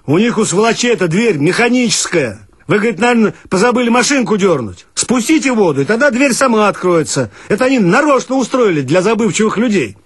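A man voicing a grumbling Russian émigré who explains things in a folksy, gruff way. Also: high voice, sing-song, fast talker, no echo, voice pushed up, exaggerated voice. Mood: grumbling advice.

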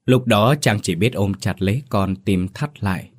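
A man's voice: lowish voice, normal speed. A man narrating a tragic village ghost story in a solemn, mournful, scripted style.

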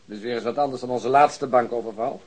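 An actor playing a dry, level-headed police detective in a radio drama, wry and matter-of-fact. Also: male voice, medium pitch, brisk, a little mellow, slightly rough, natural voice, rough recording. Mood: wry, amused. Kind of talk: Dutch radio drama acting.

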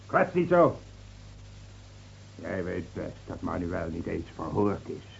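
An actor playing an earnest villager in a radio play, reproachful and standing up for the downtrodden. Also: male voice, sits low, big pitch swings, takes it slowly, gravelly, a little hiss or hum, full character voice. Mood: indignant. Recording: muffled old radio play recording.

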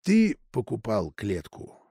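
Male reader as detective chief, measured and firm, dry close sound. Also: lowish voice, huge pitch swings, gravelly, dark tone, husky, no room sound, pitched below the performer's own voice, heavily acted. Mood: calm firm.

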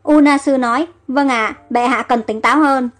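Female audiobook narrator, high-pitched, reads all the parts herself over faint music. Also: moderate pace. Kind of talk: audiobook story reading.

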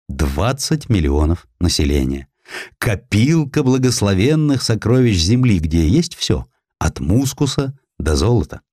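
A man reads a historical tale as scripted audiobook narration, with a dramatic, expressive storytelling delivery. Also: fairly low pitch, no room sound, studio quality.

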